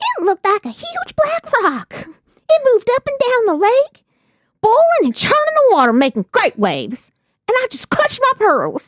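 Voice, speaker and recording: A woman puts on a character voice at an extremely high pitch. She talks at a moderate pace, with long, frequent pauses. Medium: solo performance.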